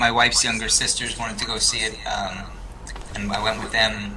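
A man with an American accent at a very fast pace, with audible room echo and noticeable background noise. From New York. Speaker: author and publisher on synchronicity. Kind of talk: radio interview.

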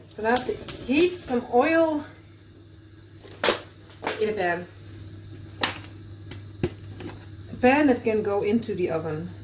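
A woman's high voice at a fairly slow pace, broken by long, frequent pauses, over noticeable background noise. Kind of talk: casual cooking vlog chat. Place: kitchen. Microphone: camera far.

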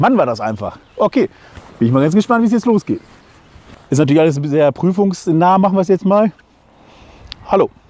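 A man's voice with very wide pitch swings, dry sound with no echo. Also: fairly quick pace. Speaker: volunteer firefighter vlogger. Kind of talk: casual vlog commentary. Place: open country.

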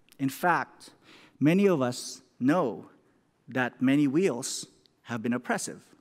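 Man with a Filipino accent, medium pitch and lively intonation, very slow pace with long, frequent pauses, quiet background. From Philippines. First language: Tagalog. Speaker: keynote speaker and academic; keynote speaker. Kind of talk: keynote speech. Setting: stage with audience. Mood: earnest, serious. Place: hall. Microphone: podium.

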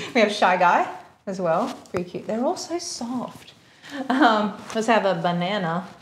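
Very wide pitch swings come through light background noise and audible room echo. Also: woman, fairly slow pace. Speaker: co-host presenting collectibles. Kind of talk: casual live-stream product showcase. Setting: studio live stream. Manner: animated. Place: shop. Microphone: lapel.

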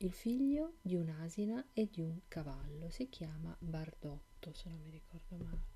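A soft-spoken woman talks at a fairly low pitch with a dark, mellow tone. Her voice is relaxed and somewhat breathy, and her pace is very slow. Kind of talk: soft-spoken ASMR crossword solving, casual talk to camera. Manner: soft-spoken, relaxed.

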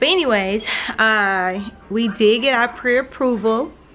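Faint music plays in the background as a woman talks with an American accent. Her pitch variation is ordinary. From south Mississippi. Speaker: mom vlogger. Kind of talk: casual talk to camera. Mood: upbeat, joyful. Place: home room. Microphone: phone near.

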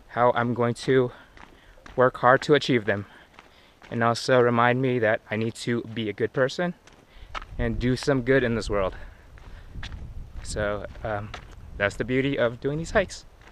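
A man speaks at a moderate pace with long, frequent pauses. Light background noise sits behind him. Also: fairly even intonation, dry sound with no echo. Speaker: hiker vlogger. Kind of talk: casual vlog chat. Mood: reflective, grateful. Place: forest. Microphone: phone near.

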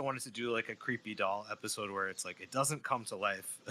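A man's bright, sharp voice at a medium pitch and fairly quick pace. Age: 30s. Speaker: animation writer and cartoon voice actor; cartoon voice actor. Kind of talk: casual interview chat. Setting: podcast recording. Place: home room. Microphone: earbuds.

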